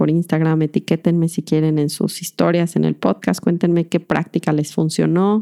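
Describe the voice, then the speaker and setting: A woman's voice with a fairly low pitch and a dark, mellow tone, recorded with a dry, close sound and no echo. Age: 30s. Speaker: spiritual teacher. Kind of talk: podcast monologue.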